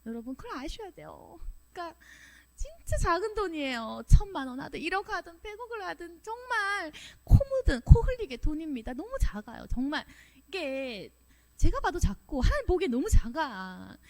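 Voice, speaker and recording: High, lively woman preaching emphatically. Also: normal speed. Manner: animated, acts out dialogue in quoted voices; direct, emphatic, addresses the congregation. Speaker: pastor. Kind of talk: sermon at a Friday prayer meeting.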